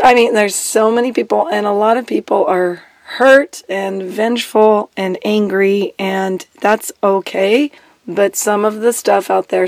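A woman's voice: medium pitch, darkish tone, no echo. A woman who has lost her voice, hosting a solo advice podcast as a divorce coach, chatty and direct and laughing between her points.

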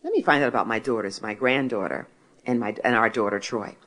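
This sixty-something author and speaker from Philadelphia has a deep voice that comes across brisk and a bit bright. Sharing her faith testimony with an audience, she tells stories and answers the questions she poses herself.

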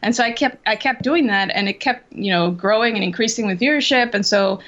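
A woman's voice: medium pitch, fairly quick, a bit bright, lo-fi sound. A young woman from Costa Rica, chatting casually as an interview guest over a video call, full of fillers and restarts. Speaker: interview guest, Twitch drummer.

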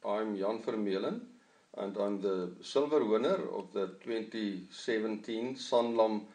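A middle-aged man with an Afrikaans accent talks about his writing in an interview, pausing often to find his English words. His voice sits a little low. He sounds distant from the mic in an echoey room. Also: darkish tone. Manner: halting, searching for English words. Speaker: author.

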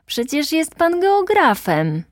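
A woman voicing a gentle, curious little boy prince in a storybook reading, asking earnest questions. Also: medium pitch, animated, slow pace, no echo, studio quality, pitched above the performer's own voice.

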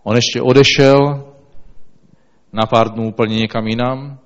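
A man reading scripture aloud and then preaching, in a slow, measured way with small restarts. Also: medium pitch, steady tone. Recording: dull lo-fi recording.

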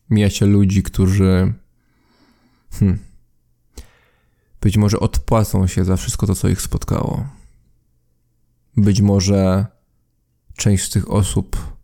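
A man narrating a tabletop role-playing game as game master in a measured, hesitant way. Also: on the low side, vocal fry, dark tone.

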